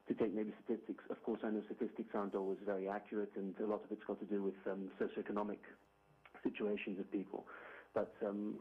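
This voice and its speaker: A man from Greece who lives in the UK, calling in with a question, hesitant and full of fillers and restarts, heard over a phone line. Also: fairly low pitch. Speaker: caller. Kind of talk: call-in question. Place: Glasgow, UK.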